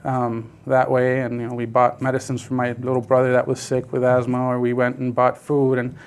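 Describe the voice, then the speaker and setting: His medium-pitched voice is smooth and a little fast, the delivery completely flat. The speaker, a middle-aged South Texan whose first language is Basque, casually recounts his family history as an interview guest, full of fillers and restarts.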